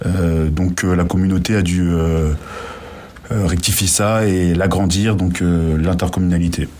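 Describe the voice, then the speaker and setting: Male, low voice, youth worker in an informal interview, hesitant and halting. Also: steady tone, a little mellow, slight background noise. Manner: hesitant, halting with long pauses.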